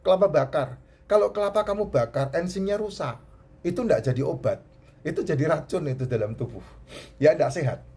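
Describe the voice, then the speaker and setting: A man's voice: fairly high pitch, animated, fairly quick, mellow, breathy edge. A middle-aged man with a stuffy, nasal voice, giving health advice in a casual talk, often repeating himself. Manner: chatty, repeats points, restarts words.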